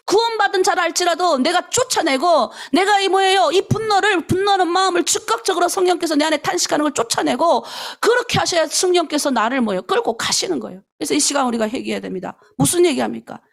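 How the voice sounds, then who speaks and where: A woman's voice: high-pitched, gravelly. A woman pastor preaching an early-morning prayer sermon and praying aloud, earnest and emphatic, putting rhetorical questions to her congregation.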